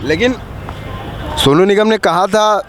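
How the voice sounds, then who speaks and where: A male reporter asks people for their opinions out on a city street. His voice sits high, and traffic can be heard around him. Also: unhurried. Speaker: reporter interviewing passers-by. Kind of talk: street opinion poll questioning.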